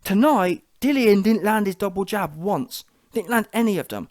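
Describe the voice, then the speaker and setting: A man with a London accent and a fairly high-pitched voice delivers an informal boxing reaction. He is opinionated and emphatic, using slang and hammering points through repetition. The sound is close and dry. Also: animated, normal speed, no room sound. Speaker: boxing commentator giving fight reaction.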